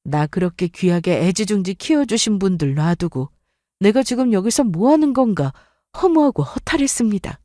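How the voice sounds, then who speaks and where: A woman's voice: medium pitch, animated, moderate pace, mellow, no echo, clean studio sound. A woman in her thirties narrating her own story in first person, aggrieved and emotional.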